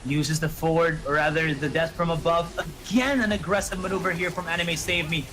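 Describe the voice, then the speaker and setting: A man doing excitable play-by-play commentary on an esports match. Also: a little high, fairly quick, noisy background. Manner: excitable, rising to shouts at big plays. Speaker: esports caster.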